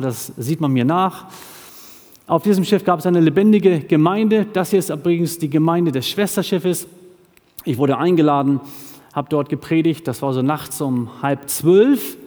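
A middle-aged man giving a missionary talk to a congregation, telling stories and quoting seafarers in short lively bursts. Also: a little high. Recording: long hall reverb.

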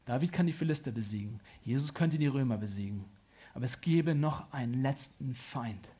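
Husky man preaching with rising intensity. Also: expressive, brisk, mellow. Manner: preaching with strong surges in pitch and volume. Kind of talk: sermon.

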